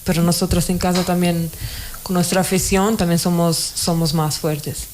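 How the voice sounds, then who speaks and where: A young woman from Portugal, a futsal player whose first language is Portuguese, answering radio interview questions in a halting way, repeating words and often checking in with the listener. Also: fairly low pitch, level tone, a little mellow, a little hiss or hum.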